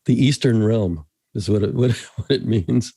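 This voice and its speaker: A man hosts a relaxed interview, dropping jokes and little chuckles between questions. His voice sits low and warm, with a soft, unforced tone and a dry, close sound. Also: unhurried, vocal fry, breathy edge, no echo. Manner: jokey, chuckling asides. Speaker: podcast host. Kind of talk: casual interview chat.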